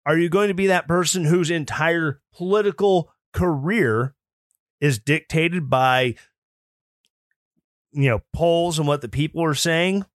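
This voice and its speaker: A man hosts his own political podcast from a home studio, talking in an opinionated, mocking way. His voice sits a little high for a man. The recording is close and dry, with almost no room sound. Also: measured pace, no echo. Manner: opinionated, mocking, mimics opponents in put-on voices. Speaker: podcast host.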